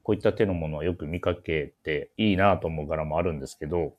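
A man hosting a menswear shop radio show, talking casually and politely about clothes, often pausing to think aloud. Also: a bass voice, highs cut off. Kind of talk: casual radio-style talk introducing clothes.

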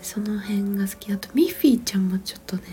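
Softly whispering mellow-voiced woman. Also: mid-range voice, fast talker, faint music behind. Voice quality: soft whisper. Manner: gentle, rambling, with frequent fillers and soft laughs. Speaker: mother. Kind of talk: whispered casual storytelling.

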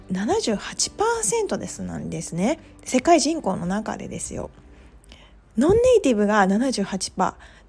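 A Japanese woman who works as a pharmacist hosts a podcast, speaking in a mellow, slightly rough voice of medium pitch with vocal fry. Her talk is a casual monologue full of fillers, and she often laughs at herself.

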